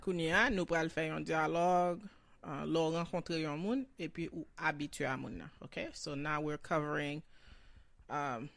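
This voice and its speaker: A woman teaching a bilingual language lesson, explaining and repeating phrases slowly in two languages. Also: sits low, steady tone, vocal fry, dry recording. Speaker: Haitian Creole teacher.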